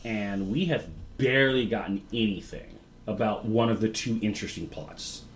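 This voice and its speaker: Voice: medium pitch, normal speed, a little hiss or hum. A podcast co-host in casual chat recapping a TV episode, opinionated and blunt, arguing points.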